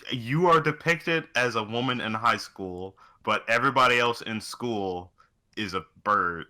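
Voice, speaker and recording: A man's voice: mid-range voice, measured pace, sharp tone. A man co-hosting a casual podcast chat in a laid-back, wry, joking way. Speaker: podcast co-host.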